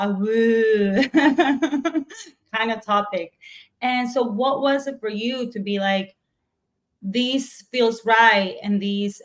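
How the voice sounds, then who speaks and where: American woman talk-show host, unhurried delivery, warm-hearted eager prompts. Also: mid-range voice. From United States. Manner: enthusiastic, encouraging, drawn-out prompts. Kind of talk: interview hosting.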